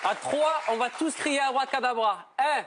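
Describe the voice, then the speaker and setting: High-pitched man doing kids party magician patter. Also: moderate pace, over a noisy crowd. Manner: showy, playful magician's presentation. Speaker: game show contestant, children's party magician. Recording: noisy TV studio with loud audience.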